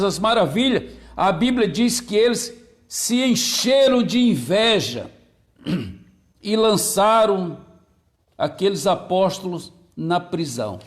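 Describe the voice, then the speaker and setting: A male pastor preaching a sermon, repeating key phrases and greeting viewers by name between points. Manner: slows and drops low on key phrases, repeats them.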